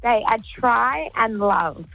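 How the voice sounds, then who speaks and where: A woman's voice: fairly high pitch, expressive, slow, vocal fry, no room sound, highs cut off, soft background music. A woman from Victoria calling in to a radio show on the phone, giving short, eager replies. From Victoria, Australia. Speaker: caller.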